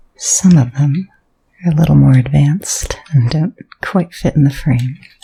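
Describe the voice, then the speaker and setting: Keeping to a moderate pace, the voice is soft-spoken. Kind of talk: ASMR soft-spoken rambling.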